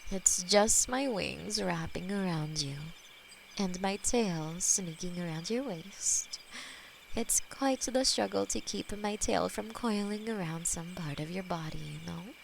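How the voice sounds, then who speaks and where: Slow, gravelly-whispered demon girlfriend, as a woman voices her, possessive and tender, crickets chirping behind. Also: mid-range voice. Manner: soft intimate whispering, halting. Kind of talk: ASMR audio roleplay. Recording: steady cricket and night noise behind.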